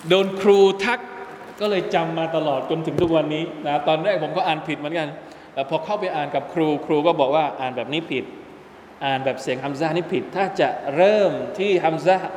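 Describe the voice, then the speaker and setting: A man's voice: fairly high pitch, a little fast. Man teaching in an echoey mosque hall. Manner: explains pronunciation step by step and quizzes listeners. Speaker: Quran commentary teacher. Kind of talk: religious lesson to a class. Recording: echoey hall with long reverb, faint background noise.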